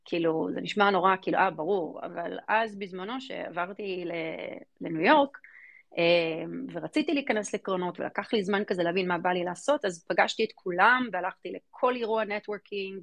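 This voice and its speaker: A woman's voice: medium pitch, gravelly, fairly bright tone. Informal, emphatic Israeli woman. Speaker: guest, fintech venture investor. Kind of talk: casual interview answers.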